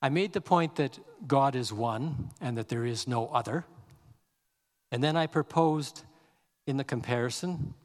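A pastor preaches very slowly in an ordinary middle-pitched voice, reading scripture aloud in a measured way with deliberate weight on key words. A long hall reverb trails after each phrase.

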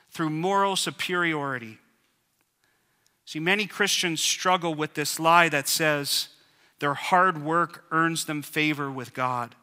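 A male pastor preaching an earnest, measured sermon. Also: high-pitched, pushed and bright, in a large hall.

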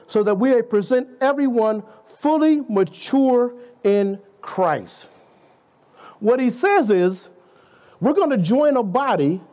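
A man's voice: sits high, dark tone. A man in his fifties preaching a conversational sermon in a church, full of rhetorical questions and playful asides. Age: 50s. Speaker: guest preacher.

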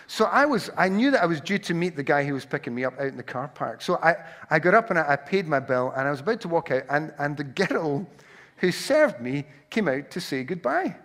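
A man's voice: fairly high pitch, sing-song, fairly quick, a bit bright. A man with a Glaswegian accent preaching a sermon, telling personal stories with frequent restarts and repeated words. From Scotland. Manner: anecdotal storytelling with frequent restarts.

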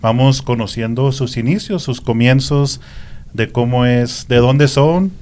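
A man's voice: mid-range voice, unhurried, a little mellow, clear, resonant tone. Chatty Christian radio host, a man. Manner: talkative, affectionate, steers the interview.

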